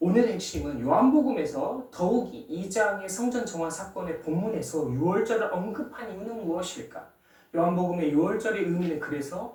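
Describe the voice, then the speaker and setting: Amid noticeable background noise and audible room echo, a man speaks at a moderate pace in a high pitch with lively intonation. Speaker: preacher. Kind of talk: sermon.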